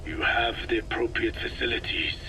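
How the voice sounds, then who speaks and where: A man playing an ancient, grave tribal scientist in a video game cassette tape, speaking slowly in a hushed, whispery, formal way. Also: medium pitch, natural voice. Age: older. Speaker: scientist giving instructions. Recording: cassette tape with audible hiss.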